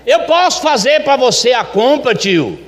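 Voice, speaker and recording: A man's voice: very high voice, big pitch swings, measured pace, big-room sound, voice pushed up, exaggerated voice. A man voicing a simple, eager, kind middle-aged man who repeats himself in a childlike way.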